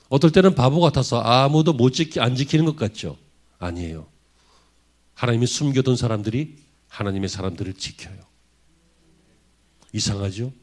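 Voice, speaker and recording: A man preaching a sermon as a pastor in a church, driving his points home with rhetorical questions to the congregation. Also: medium pitch. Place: church sanctuary.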